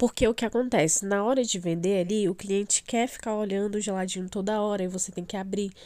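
On a very clean recording with a silent background, a woman with a dark, mellow tone speaks at a fairly quick pace with fairly even intonation. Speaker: YouTuber and frozen dessert business instructor. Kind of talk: tutorial.

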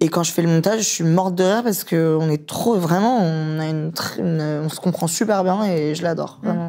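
A woman talks at a fairly quick pace. Her fairly low pitch shows ordinary variation. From France, countryside near Lyon; France. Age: 20s. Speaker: YouTuber. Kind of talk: casual interview chat. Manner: animated. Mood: relaxed, candid. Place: studio.

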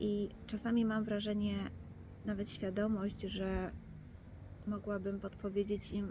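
A woman speaking at a very slow pace. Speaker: mother. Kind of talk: intimate personal talk to listeners. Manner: whispered, soft-spoken.

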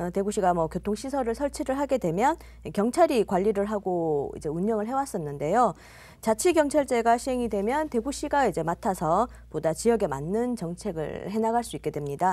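This woman's fairly high voice has a dark, mellow tone and swings very widely in pitch. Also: moderate pace. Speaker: reporter panelist. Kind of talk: news discussion. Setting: studio. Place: studio. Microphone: lapel.

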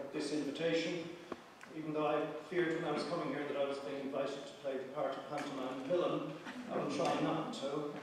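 Amid strong room echo and light background noise, a man speaks with monotone, flat intonation. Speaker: panelist. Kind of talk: panel discussion remarks. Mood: wry, humorous. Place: hall.

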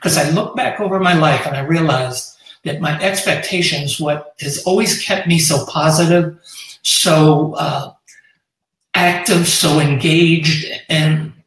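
A male voice with fairly even intonation, audible room echo and a quiet background. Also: fairly slow pace. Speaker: guest. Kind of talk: interview answer. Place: home room.

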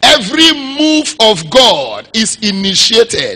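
A man speaks in a raised, projected voice. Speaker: preacher. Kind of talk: sermon. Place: church. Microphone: handheld.

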